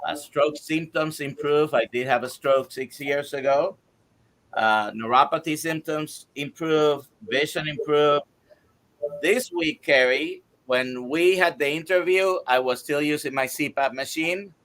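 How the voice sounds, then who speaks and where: A man in his sixties, a guest doctor, telling his own health story on a live stream in a halting way, with many fillers, listing items one by one. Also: on the high side, fairly bright tone. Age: 60s. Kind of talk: casual testimony on a live stream.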